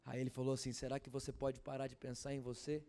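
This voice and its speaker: A man preaching a sermon at a church service, swinging from loud fervent exhortation to hushed storytelling and asking the congregation questions. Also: mid-range voice, little pitch movement, quick pace. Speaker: pastor.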